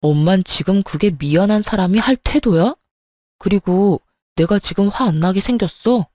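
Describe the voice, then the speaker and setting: A woman's voice: medium pitch, normal speed, mellow, no echo, studio quality, natural voice. A woman voicing a blunt, middle-aged husband who demands answers in a reproachful way. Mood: angry.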